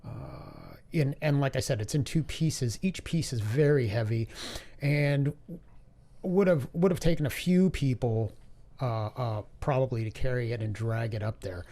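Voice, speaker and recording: A man co-hosting a podcast, telling things in a halting, hesitant way in casual chat. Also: mid-range voice, animated, mellow. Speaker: podcast co-host.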